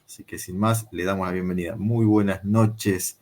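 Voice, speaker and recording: A man hosting a video call interview, talking in an unhurried, conversational way with frequent filler pauses. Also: deep voice, fairly even intonation, darkish tone. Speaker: interview show host.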